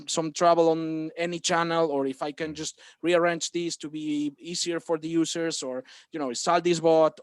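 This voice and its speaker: A man from Galicia, talking in a casual podcast chat, excited and halting, with many restarts. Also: fairly high pitch, dry recording.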